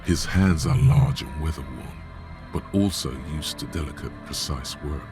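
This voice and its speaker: A very deep, gravelly male narrator for a video game, laying out the scene in a measured, dry manner. Game music plays behind him. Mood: calm, dry. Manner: measured, dry descriptive delivery. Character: gravelly omniscient male narrator voice, calm and observant.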